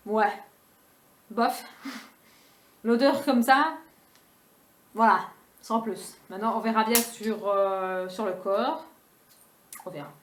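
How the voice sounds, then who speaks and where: A young woman in a casual beauty haul vlog, talking quickly and chattily with many fillers. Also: medium pitch, slight background noise. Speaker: beauty vlogger. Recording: echoey room.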